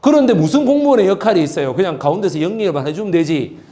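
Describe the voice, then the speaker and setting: A man's voice: high voice, fast talker. A middle-aged man giving a lecture on history who tells stories and keeps asking the audience rhetorical questions. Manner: lively, asks rhetorical questions, acts out quotes. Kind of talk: animated lecture storytelling.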